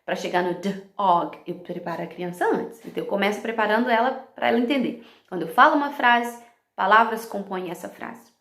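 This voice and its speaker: Gravelly woman teaching in an echoey room. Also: medium pitch, a little fast, a bit bright. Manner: explanatory, checks in with "ok?" and "tá?", slips into English words. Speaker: English teacher.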